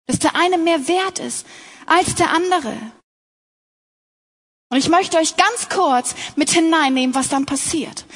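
Speaking at a Christian talk, a young adult woman offers a heartfelt, personal sermon aimed squarely at the other women listening. She has a high, fairly bright voice.

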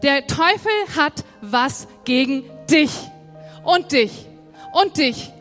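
High-voiced woman preacher in a hall. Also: lively intonation, slow pace, a bit bright. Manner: conversational, addresses the congregation directly. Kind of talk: sermon. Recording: long hall reverb, faint music.

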